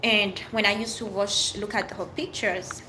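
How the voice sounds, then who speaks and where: A woman's voice: mid-range voice, fairly even intonation, unhurried, bright, forceful tone, poor audio. Livestream host: middle-aged Haitian woman, French accent, candid and earnest, faint background hiss. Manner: open, earnest, speaks in short fragments with restarts. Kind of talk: casual livestream chat answering viewers.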